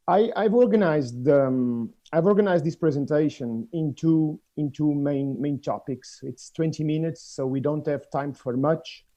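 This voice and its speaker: A Portuguese man in his forties presents over a video call, his English carrying a Portuguese accent. The voice sits fairly high but sounds very dark and muffled. He often restarts phrases and repeats words. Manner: hesitant, repeats words when starting phrases. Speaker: guest speaker. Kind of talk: conference presentation. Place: office room.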